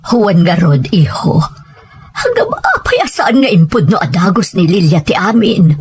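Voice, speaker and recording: A woman's voice: medium pitch, very animated, moderate pace, a little mellow, close to an everyday voice. A woman playing an older, grieving, loving matriarch in a radio drama, speaking with dignity and strong emotion. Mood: hurt. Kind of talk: Filipino radio drama acting.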